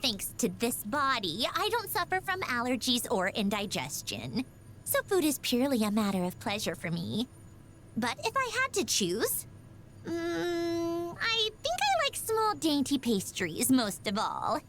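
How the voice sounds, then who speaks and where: A woman's voice: sits high, wildly swooping pitch, a little slow, a bit bright, slight background noise, heavily acted. An actress voicing a proud, ladylike young machine doll in a video game, with a prim, precisely worded delivery. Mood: refined, contented. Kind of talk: scripted video game character voice lines. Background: music.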